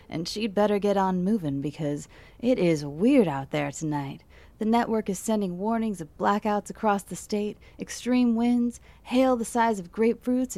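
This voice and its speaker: A woman playing a late-night radio DJ with a gravelly voice, chatting in folksy on-air patter. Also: lowish voice, warm tone.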